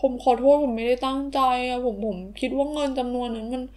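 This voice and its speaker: A woman's voice: high voice, steady tone, fast, dark tone, close to an everyday voice. A woman voicing a young boy in a toy story, stammering out excuses after taking money. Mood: pleading.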